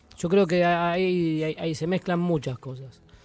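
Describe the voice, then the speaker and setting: A man talks at a high pitch and moderate pace. The sound is dry, with no echo. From Buenos Aires city, Argentina. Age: 30s. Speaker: band manager and music press agent; guest. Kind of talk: radio interview. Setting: radio studio.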